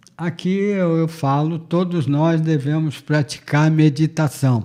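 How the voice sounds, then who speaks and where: At a very slow pace, a man speaks in a fairly high pitch with ordinary pitch variation. His tone is dark and mellow. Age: 70s. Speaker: TV host and newspaper publisher. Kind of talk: monologue to TV audience.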